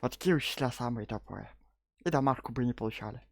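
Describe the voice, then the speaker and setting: A man's voice: medium pitch, fast, gravelly, a little hiss or hum. A man hosting his channel, giving casual, sarcastic reaction commentary to a video.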